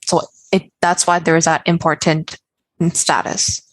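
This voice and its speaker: A woman with a notably low voice, recorded close and dry. She answers in a measured way, moving between English and Cantonese mid-sentence. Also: little pitch movement, dry recording. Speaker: podcast guest. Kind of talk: casual podcast chat.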